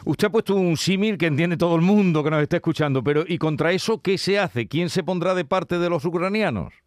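A man's voice: fairly high pitch, brisk, no echo. Courteous male radio host, dry sound. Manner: courteous, formal address to the guest. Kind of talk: radio interview.

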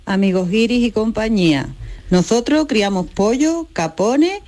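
A woman's voice: medium pitch, expressive, measured pace, darkish tone. A woman leaving a firm, matter-of-fact listener message for a radio show. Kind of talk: read or recorded listener message.

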